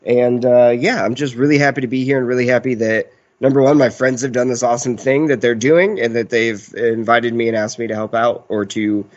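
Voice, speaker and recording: A man's voice: mid-range voice, little pitch movement, a little fast, few pauses, highs cut off. A man in his thirties chatting casually as a podcast player, rambling and joking as he goes. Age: 30s. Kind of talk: casual chat.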